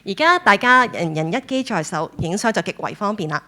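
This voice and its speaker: A woman speaking Hong Kong Cantonese, hosting and introducing speakers at a gallery talk in an even, formal way. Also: mid-range voice, brisk. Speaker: host. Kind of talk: event introduction. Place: gallery room.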